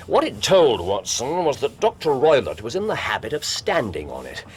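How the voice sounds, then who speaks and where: An actor playing Sherlock Holmes, a cool and precise middle-aged detective who explains his reasoning in measured, articulate, lecturing speech in a radio drama. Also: mid-range voice, wildly swooping pitch, a little hiss or hum. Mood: explaining. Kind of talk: 1990s radio drama acting.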